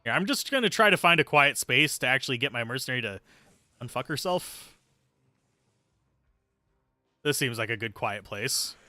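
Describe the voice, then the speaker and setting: Bright-voiced man chatting over a game stream. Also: medium pitch, animated, normal speed, long pauses, dry recording. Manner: sweary, self-deprecating, sardonic. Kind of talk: casual live gameplay commentary, chatting with viewers.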